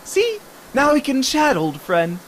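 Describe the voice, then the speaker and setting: Killer clown villain: very high, slow, mocking and menacing, radio drama, noisy background. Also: male voice, huge pitch swings, exaggerated voice. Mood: mocking menace. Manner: taunting, sing-song, swinging from hush to shriek. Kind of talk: superhero radio drama acting.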